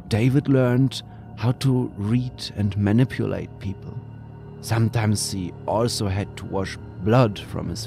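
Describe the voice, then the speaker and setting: Slow gravelly male horror narrator. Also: low voice. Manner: slow, brooding, with hushed whispered passages. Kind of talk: dramatic scripted horror narration.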